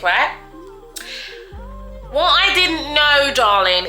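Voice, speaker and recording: Bright-voiced woman telling a story. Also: mid-range voice, roomy sound. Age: older than her friends, adult. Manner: chatty, dramatic, addresses viewers as guys and darling. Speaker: vlogger reviewing a restaurant. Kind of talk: casual storytelling to camera.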